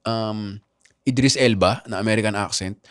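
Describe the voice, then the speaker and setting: Animated storytelling man, dry sound. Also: lowish voice, moderate pace, no room sound. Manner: animated storytelling with frequent "di ba" asides. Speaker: podcast host. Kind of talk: casual comedic chat.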